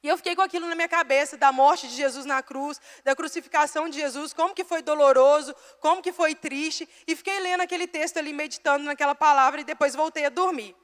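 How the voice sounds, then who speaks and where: A woman's voice: high voice, quick pace, hardly any pauses, a bit bright. A young woman preaching in a church, telling a personal story in a chatty way and addressing listeners directly before reading scripture. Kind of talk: sermon with personal testimony. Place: church hall. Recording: long hall reverb.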